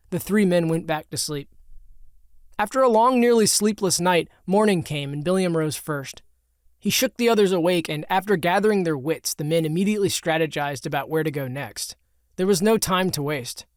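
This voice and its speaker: A man reading his own comic audiobook in an even, matter-of-fact way. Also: fairly high pitch, moderate pace, no room sound, studio quality. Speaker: author and audiobook narrator. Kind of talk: scripted audiobook narration.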